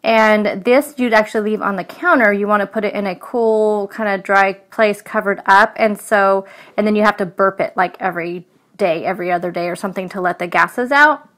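A woman's voice: medium pitch, normal speed, fairly bright tone. A woman talking casually over her meal prep, chatty and loose, with frequent ums. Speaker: food vlogger. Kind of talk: casual voice-over narration of cooking.

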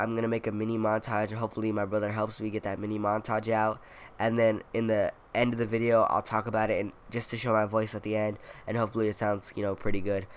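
A man's voice: fairly low pitch, clean tone. Congested young man rambling about being sick. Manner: rambling, filler-heavy, playfully boastful. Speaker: gaming video creator. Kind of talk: casual commentary over gameplay.

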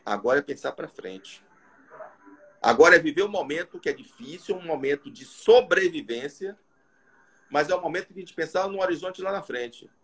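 A man's voice: a little high, expressive, moderate pace, fairly bright tone, breathy edge. A middle-aged man with a Brazilian accent speaking as a consultant on a live video call, motivational and emphatic, in short phrases. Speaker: restaurant consultant, guest. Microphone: video call, device close in front.

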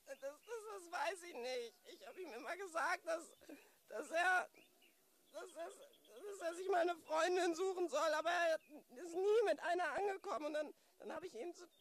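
An elderly, doting mother in grief, in an improvised radio play. The voice is extremely high and plaintive. The words come haltingly, with stammers. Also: a bit bright. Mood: hesitant, sad. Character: tearful, doting elderly mother, grieving her grown son. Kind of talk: improvised audio drama acting.

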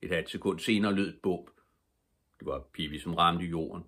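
An older man reading a children's book aloud as a calm, steady bedtime story. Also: deep voice. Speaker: storybook reader.

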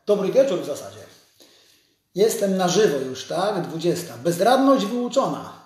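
A man's voice: sits high, big pitch swings, normal speed, a little mellow. A man in his sixties giving an informal live talk to viewers, explaining things conversationally, with a strong echo from a large empty room. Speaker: doctor hosting a live stream. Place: large, empty, hard-surfaced dental office.

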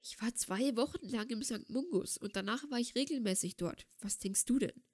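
A woman's voice: on the high side, moderate pace, a little mellow, voice pushed up, natural voice. A woman reading the lines of a bitter, prickly young man in an audiobook, keeping them curt and grumbling.

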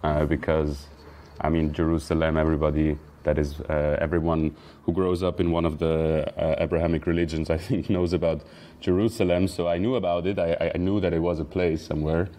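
Low-voiced young man. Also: fairly even intonation, fairly quick, warm tone. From Switzerland. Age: young adult. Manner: thoughtful, with many fillers and restarts. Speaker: guest. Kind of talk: casual interview talk.

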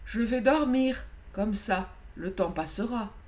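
Brief: woman reader as young white wolf, slow, calm, wary, storybook. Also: medium pitch, close to an everyday voice. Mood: musing.

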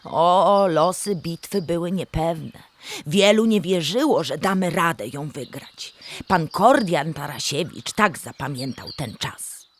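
A woman's voice: fairly low pitch, expressive, measured pace, slight background noise. A woman playing a friendly female cartoon animal who explains history in a children's audio drama, speaking with careful enunciation. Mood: explanatory.

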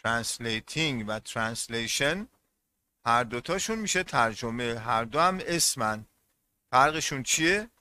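A man's voice: medium pitch, expressive, bright, forceful tone, clean tone, no echo, studio quality. A male English teacher giving a classroom lesson, repeating each term and putting questions to his students. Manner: repeats terms and quizzes the class.

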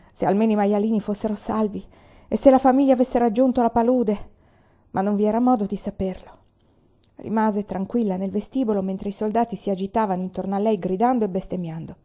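A woman narrating a novel aloud in a steady, expressive reading style. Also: mid-range voice, highs cut off. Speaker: audiobook reader.

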